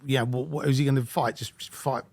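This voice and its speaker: A man chatting casually as a sports interviewer, starting his sentences haltingly with repeated words. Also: mid-range voice, fairly even intonation, creaky, no room sound.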